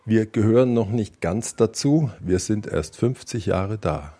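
A man's voice: fairly low pitch, animated, a little slow, warm tone. A man hosting a radio talk interview on location, asking wry, probing questions. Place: on location by a lake.

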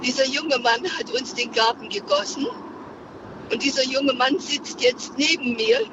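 A woman's voice: sits high, measured pace. An older woman calling a radio show from her car, telling a story earnestly with many hesitations. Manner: earnest, searching for words with many fillers. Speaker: caller. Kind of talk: phone-in storytelling. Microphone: phone. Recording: muffled phone line with car noise.

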